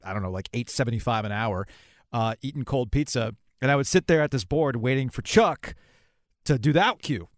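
A man in his forties speaks as a podcast host in a conversational interview. His voice sits at a medium pitch and he tells stories as he leads into questions. The recording is dry, with hardly any room sound. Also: expressive, a little fast, no echo. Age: 40s.

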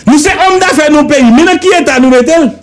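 A man with a Haitian accent holds forth on a radio talk show, his voice pitched strikingly high. He hammers each point with repetition and rhetorical questions, giving fervent political commentary. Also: fast, soft background music. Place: radio studio.

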